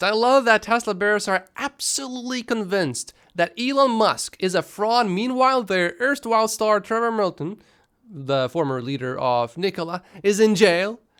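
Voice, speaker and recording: A man's high-pitched voice with very wide pitch swings, a non-native accent, and a moderate pace. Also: very clean recording, silent background. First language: not English. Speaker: tech news commentator. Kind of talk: news commentary.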